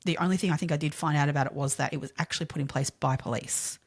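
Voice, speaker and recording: Low-voiced Australian woman, halting explainer. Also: husky. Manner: explanatory, hesitant with frequent fillers and restarts. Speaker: podcast co-host. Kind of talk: casual true-crime chat.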